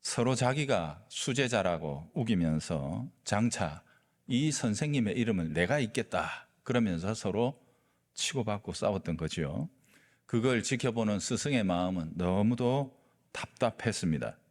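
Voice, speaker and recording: Lively low-voiced male pastor preaching. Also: a little slow. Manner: lively storyteller, acts out quoted speech. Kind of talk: sermon with storytelling. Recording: long reverb of a large hall.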